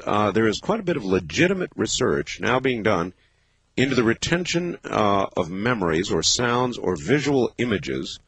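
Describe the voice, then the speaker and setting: A man of fifty hosting a late-night call-in radio show, talking in a thoughtful, measured way with many pauses and fillers. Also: lowish voice, slightly rough, no room sound. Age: 50s. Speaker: radio talk show host.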